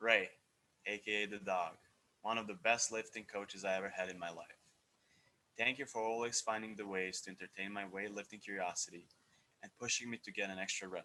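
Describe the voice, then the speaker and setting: Talking at a fairly quick pace with long, frequent pauses, a man with a Serbian accent has a bright, sharp tone, fairly low pitch and fairly even intonation. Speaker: college basketball player. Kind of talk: senior speech. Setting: seated in front of a camera.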